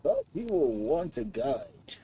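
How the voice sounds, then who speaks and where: A storyteller voicing an aged black beetle, a cautious and wise adviser who speaks in a measured way. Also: mid-range voice, lively intonation, mellow, husky, exaggerated voice. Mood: cautionary. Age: old.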